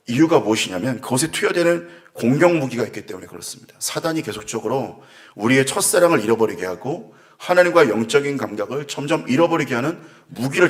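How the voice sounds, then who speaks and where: A man preaching a sermon as pastor, earnest and reflective, with sighing asides as he muses aloud. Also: medium pitch. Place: church.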